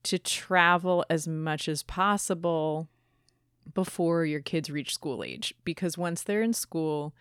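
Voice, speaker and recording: A woman's voice: low voice, slow pace, fairly bright tone, smooth, no echo, clean studio sound. A woman co-hosting a podcast in playful, casual comic chat. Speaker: podcast co-host.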